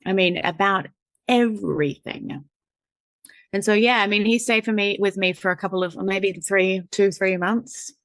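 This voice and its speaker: A woman's voice: medium pitch, a little slow, fairly bright tone, dry recording. A woman, a guest chatting casually, rambling and laughing, with lots of fillers and the odd swear. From New Zealand. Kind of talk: casual conversational interview.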